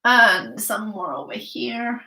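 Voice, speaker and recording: A woman's voice: medium pitch, animated, takes it slowly, creaky, bright, forceful tone, low-quality recording. A woman, teaching a casual live painting class, thinking aloud in short phrases as she works and chatting with viewers. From Finland. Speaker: art teacher.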